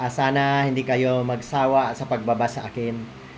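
This man's voice has a fairly high pitch. Audible room echo surrounds it. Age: 60s. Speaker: vlogger. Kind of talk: casual vlog monologue. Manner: halting.

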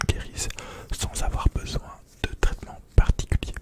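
A man talks at a fairly slow pace. Loud background noise runs behind him. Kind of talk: roleplay advice, ASMR-like soft talk. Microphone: studio mic.

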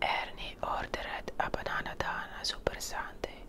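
The voice is soft-spoken and whispering. There is noticeable background noise. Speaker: storybook reader. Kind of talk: reading a children's story aloud. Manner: soft whispered storybook reading.

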